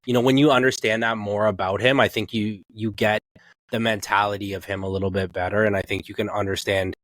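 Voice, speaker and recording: Low-voiced man in casual sports chat. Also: level tone, brisk, a bit bright, dry recording. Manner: colloquial, rambling, acts out imagined quotes. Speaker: podcast co-host.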